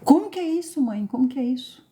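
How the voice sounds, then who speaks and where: A woman's voice: high-pitched, lively intonation, fast, warm tone, pitched above the performer's own voice. A woman voicing a curious small child who keeps questioning its mother. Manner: insistent repeated questions.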